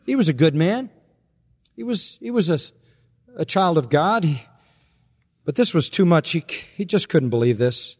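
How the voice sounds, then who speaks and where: A male pastor delivers an emphatic expository sermon and rattles off scripture references. His voice sits high for a man. A long reverb from the church hall hangs after his words. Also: animated, normal speed, long pauses, a little mellow, breathy edge.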